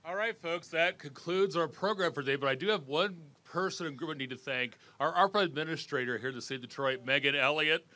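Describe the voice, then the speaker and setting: Male emcee, slightly high, bright, jovial, joking with the crowd at an outdoor ceremony. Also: fast talker, hardly any pauses. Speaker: event emcee, city parks official.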